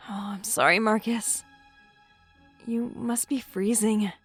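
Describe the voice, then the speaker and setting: A woman's voice: medium pitch, steady tone, husky, soft background music. A woman playing a shy, anxious young woman with a hesitant manner in a naturalistic audio drama. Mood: sleepy, concerned. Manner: hesitant, halting.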